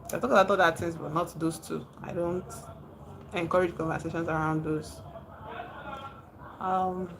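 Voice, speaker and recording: A woman's voice: on the low side, fairly even intonation, normal speed, vocal fry, long pauses, background noise. A woman from Nigeria with a Nigerian accent, chatting casually on a livestream, reading out and answering viewers' comments and laughing often.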